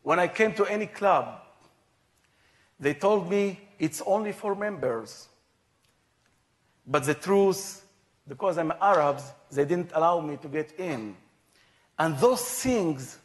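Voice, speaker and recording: Slow-spoken man. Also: a little high. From Israel. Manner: slow, measured, simple plain phrasing. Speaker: guest speaker. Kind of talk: personal testimony talk.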